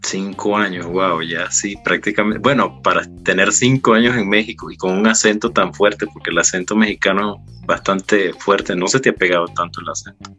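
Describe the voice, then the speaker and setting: Deep-voiced friendly podcast host. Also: male voice, steady tone, moderate pace, pushed and bright, faint music behind. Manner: friendly, chatty, with fillers. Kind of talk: casual podcast conversation. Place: remote podcast call, based in Costa Rica.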